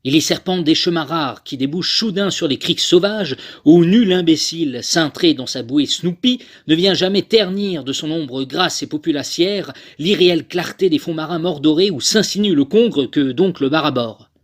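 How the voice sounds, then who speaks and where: A man's voice: fairly high pitch, expressive, moderate pace, few pauses. Man giving theatrical scripted narration. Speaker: voice actor. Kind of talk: scripted dramatic narration for a demo reel.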